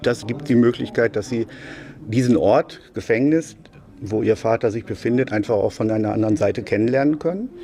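A man working as a social worker, explaining his work thoughtfully in an interview with some pauses. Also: mid-range voice, dark tone. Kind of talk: interview answer.

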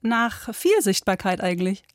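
A woman hosting a radio show, introducing her guest and asking long, measured questions. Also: mid-range voice, sing-song, dry recording, studio quality. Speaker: radio host. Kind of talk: radio interview.

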